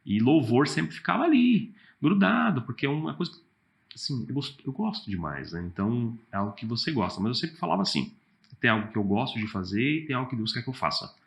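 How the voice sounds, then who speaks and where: A man, a pastor and worship leader, telling stories in a casual interview, animated and laughing often. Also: medium pitch, quick pace, gravelly.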